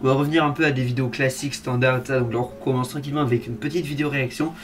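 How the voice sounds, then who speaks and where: A man's voice: medium pitch, steady tone, rapid-fire, music in the background. A man hosting a reaction video with casual, slangy, informal commentary.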